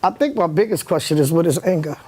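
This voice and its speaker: A raspy-voiced woman speaks as a guest on a studio panel. She is blunt and outspoken, and she keeps asking pointed rhetorical questions. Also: fairly low pitch, animated, fast, a little mellow, a little hiss or hum. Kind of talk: panel discussion.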